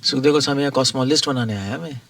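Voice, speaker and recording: Gravelly male monk giving casual guidance, repeats his points, mic at a distance. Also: medium pitch, very fast, fairly bright tone. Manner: conversational, repeats points, chuckles. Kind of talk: informal spiritual discourse.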